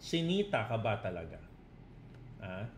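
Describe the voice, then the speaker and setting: A man's voice: fairly low pitch, big pitch swings, unhurried, a little hiss or hum. A man, a crypto trading coach on a casual live stream who mixes Tagalog and English, reads out chat comments and keeps tagging his points with 'no?' and 'di ba?'.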